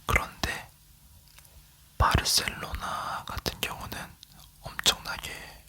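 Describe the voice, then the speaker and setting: An ASMR creator from South Korea leaning in to whisper, chatting casually as they tell a travel story. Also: slow.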